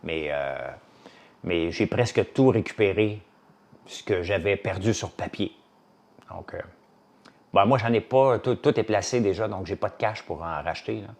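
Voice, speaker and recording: A man with a Québécois French accent chats casually to a live audience in a lowish voice. He rambles and jumps between topics, leaning on fillers. He sounds like a farmer and business owner talking off the cuff. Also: normal speed, darkish tone.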